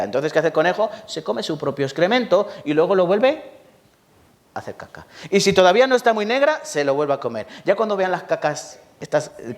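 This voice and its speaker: A man from Spain with a Spanish accent, preaching a lively Sunday sermon in church, repeating words for emphasis and often asking the congregation questions. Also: a little high. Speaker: pastor.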